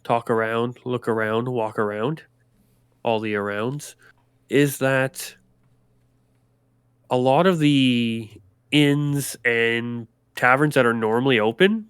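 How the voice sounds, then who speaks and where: Smooth-voiced man running a tabletop game. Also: mid-range voice, slow pace, long pauses, a bit bright, no echo, clean studio sound. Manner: rambling, casual descriptive narration. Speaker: game master.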